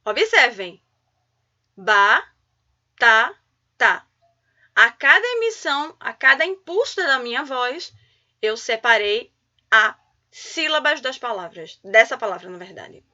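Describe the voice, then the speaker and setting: A woman teaching a children's video lesson, drawing out syllables in a lively classroom voice. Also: on the high side, highs cut off. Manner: lively, syllable-stretching teacher talk to kids.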